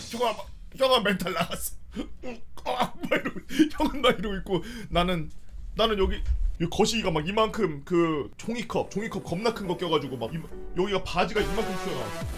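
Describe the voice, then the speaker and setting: Animated man telling a comic story. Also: fairly high pitch. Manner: animated, shouts and wails while acting out scenes. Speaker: streamer telling a funny story.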